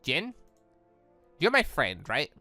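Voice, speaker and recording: A let's player voicing an anxious, earnest robot girl from a visual novel, gentle and hesitant. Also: mid-range voice, wildly swooping pitch, slow, dry recording, soft background music, heavily acted.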